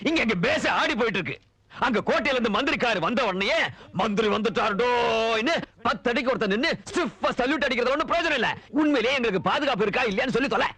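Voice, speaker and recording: A man's voice: very high-pitched, animated, fast, pushed and bright, slightly rough, dry recording, full character voice. An actor playing an angry, complaining male politician who scolds the police in a dubbed film. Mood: scolding. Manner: irritable, scolding.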